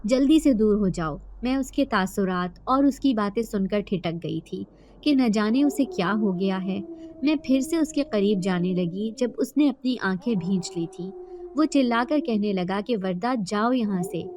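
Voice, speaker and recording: A woman narrating a first-person horror story in a steady, even-paced reading voice. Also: medium pitch, background noise.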